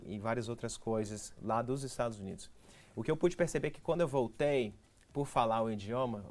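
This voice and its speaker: A Brazilian man with a Brazilian Portuguese accent, an English teacher giving didactic, step-by-step advice as a guest in a TV studio interview. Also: medium pitch. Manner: didactic, explains step by step with practical tips.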